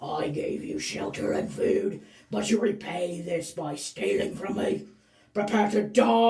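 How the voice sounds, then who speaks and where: Putting on a raspy, growling character voice pitched high, a man speaks at a fairly slow pace with audible echo. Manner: growling, threatening.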